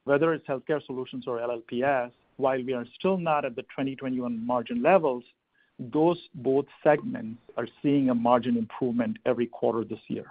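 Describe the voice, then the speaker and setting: Man on a thin phone line, halting. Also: mid-range voice, steady tone, dry recording. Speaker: company executive. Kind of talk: answering analyst questions on an earnings call. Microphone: telephone. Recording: thin telephone conference line.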